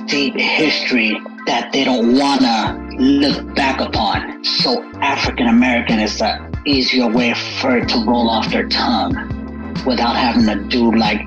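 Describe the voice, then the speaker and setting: Frank man from New York City. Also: medium pitch. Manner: earnest, frank, emphatic. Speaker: interview guest. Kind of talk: candid conversation. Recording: dull lo-fi audio with music behind.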